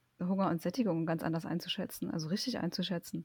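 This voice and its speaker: A woman speaks fairly quickly in a fairly low pitch. Her voice is somewhat breathy, with ordinary pitch variation. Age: 30s. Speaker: coaching client. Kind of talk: interview.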